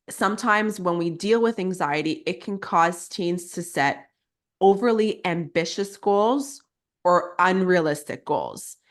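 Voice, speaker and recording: A young woman coach answering interview questions, earnest and explanatory, with frequent "like" fillers. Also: deep voice. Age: young adult. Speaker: guest, teen life coach.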